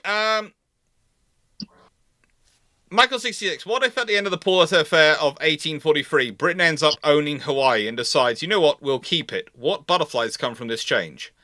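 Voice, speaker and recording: Male history host, bright forceful voice, close dry sound, emphatic and repetitive as he reasons aloud. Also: fairly high pitch, expressive, normal speed, no room sound. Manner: emphatic, repeats phrases, rephrases mid-sentence. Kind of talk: live question-and-answer talk on naval history.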